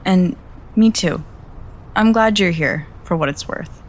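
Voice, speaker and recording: A woman's voice: lowish voice, unhurried. A woman playing a wistful, wry traveller in an audio drama, with an understated, dry delivery. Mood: wistful, subdued. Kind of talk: naturalistic audio drama acting.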